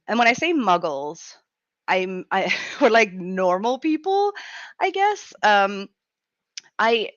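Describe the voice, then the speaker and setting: Raspy woman with a head cold. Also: lowish voice, a bit bright, no room sound, lo-fi sound. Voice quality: raspy, grumbly. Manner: chatty, laughs often, many fillers. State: has a cold, gruff throat. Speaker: radio show host. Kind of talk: casual live-stream chat.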